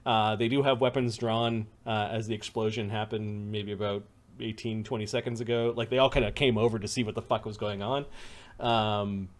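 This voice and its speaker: A man's voice: lowish voice, little pitch movement, normal speed. A man narrating a tabletop game as game master, rambling with many fillers and self-corrections.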